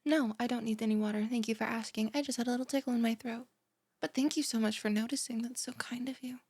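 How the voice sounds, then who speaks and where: A woman's voice: on the high side, fairly even intonation, quick pace, a little mellow, breathy edge, dry recording. A young woman playing a bubbly, ditzy, easily offended student who gushes and rambles in a one-sided audio roleplay. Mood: pointedly sweet, miffed. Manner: gushing, rambling, dramatic gasps and sighs.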